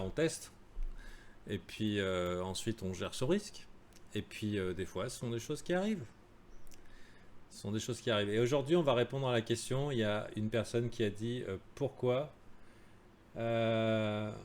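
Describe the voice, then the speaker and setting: A man giving a live crypto chart analysis in a casual, joking way, with many fillers and asides to viewers. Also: lowish voice. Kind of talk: live-streamed market analysis.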